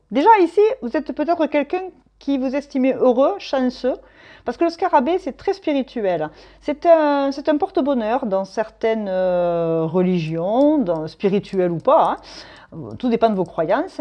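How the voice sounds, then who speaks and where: A woman's voice: a little high, darkish tone, muffled recording. A woman giving a casual tarot reading, talking straight to her viewers in a chatty way with the odd swear word. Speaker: tarot reader.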